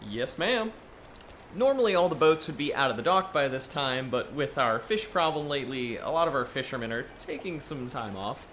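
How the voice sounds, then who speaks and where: Casting: friendly young male Yeti tour guide played by a man, bright, lively, chatty, light noise behind. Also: mid-range voice, normal speed, close to an everyday voice. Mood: proud, informative. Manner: chatty, earnest, enthusiastic explainer. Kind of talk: audio drama dialogue.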